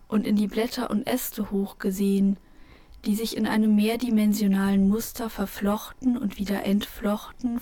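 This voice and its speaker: A woman narrates literary prose at a middling pitch with a mellow, dark tone. Her delivery is very even, measured and contemplative, lingering on repeated phrases. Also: no room sound. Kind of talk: literary narration in an audio play.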